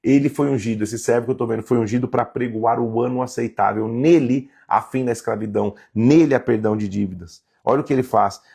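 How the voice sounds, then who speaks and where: A man's voice: medium pitch, fast talker, creaky, hardly any pauses, mellow, breathy edge. A man reading Bible passages aloud and explaining them in a casual, conversational way. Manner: reads verses aloud, then comments in a casual tone. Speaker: Bible teacher.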